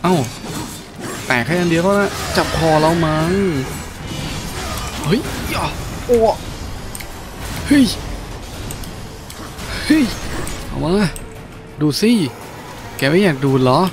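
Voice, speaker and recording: A man's voice: a little high, lively intonation, takes it slowly, long pauses. A man doing gameplay commentary, full of exclamations and interjections as he reacts to play. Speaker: video game streamer. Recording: game music behind the voice. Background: video game music and effects.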